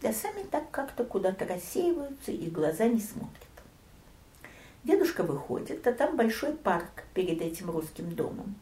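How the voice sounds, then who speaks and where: An older woman recounting family memories in an interview, storytelling with lively swings and soft near-whispered asides. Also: medium pitch, echoey room. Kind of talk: oral history reminiscence.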